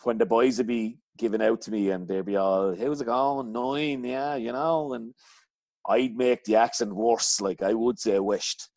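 A man's voice: lowish voice, normal speed, creaky, warm tone, dry recording. A middle-aged man with a County Clare accent from the west of Ireland, telling rambling, colloquial stories in casual conversation. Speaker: interview guest, hurling coach. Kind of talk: casual chat, anecdotes.

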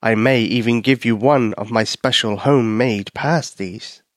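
A man doing a slow, sly villain cat. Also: mid-range voice, no echo, lightly acted. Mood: menacing. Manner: slow, drawn-out, speaks in rhyme. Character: sly menacing male mouse-hunting cat.

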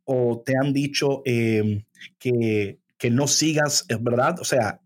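A man co-hosting a faith podcast, talking in an expressive, preacherly way and dropping English phrases into his Spanish. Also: mid-range voice, slow pace. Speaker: podcast co-host.

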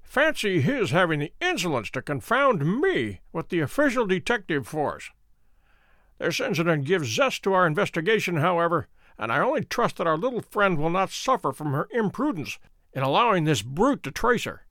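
A man voicing a calm, imperturbable detective who speaks with dry wit. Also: high-pitched, normal speed, dry recording. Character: cool, witty adult male detective, calm and bland.

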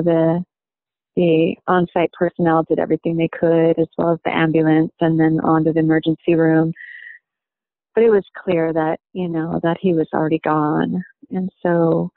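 A woman speaks in a level, even tone that barely rises or falls. She talks reflectively and haltingly, filling her pauses with "you know." The sound is thin and phone-like, with no room echo at all. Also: lowish voice. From United States. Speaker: interviewee. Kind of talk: personal storytelling. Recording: dry, tinny phone-like sound.

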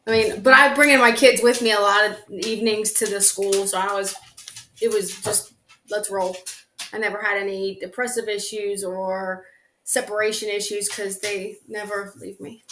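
A woman answers in a brisk, upbeat, matter-of-fact way, speaking as a guest on a podcast. Her voice rings in a roomy space with faint noise behind it. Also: medium pitch, fairly even intonation, bright, forceful tone. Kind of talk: casual chat.

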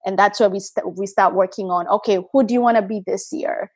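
A woman's voice: medium pitch, fairly even intonation, a little fast, husky, no echo. A woman from Kenya, a guest in an interview, talking casually with frequent fillers and restarts.

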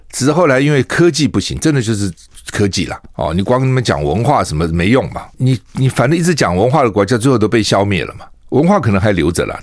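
A man's voice: lowish voice, dry recording, clean studio sound. An older man from Taiwan, a radio talk show host, giving opinionated commentary full of scolding rhetorical questions. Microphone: studio microphone.

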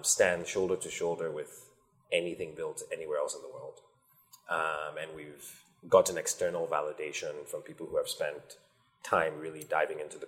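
A man from Nigeria, a company founder, answering interview questions in a measured, thoughtful way with frequent pauses. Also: very deep voice. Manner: measured, thoughtful, many ums.

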